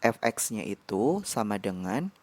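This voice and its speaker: A man explaining algebra derivatives as a tutor, in a measured lecture with pauses between short phrases. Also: fairly low pitch, big pitch swings, darkish tone. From Indonesia. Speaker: math tutor.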